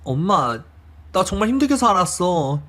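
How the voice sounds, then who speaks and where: A man's voice: high-pitched, big pitch swings, moderate pace, a bit bright, heavily acted. A man voicing a hurt adult daughter who feels abandoned, in an emotional, accusing tone in a dramatized story.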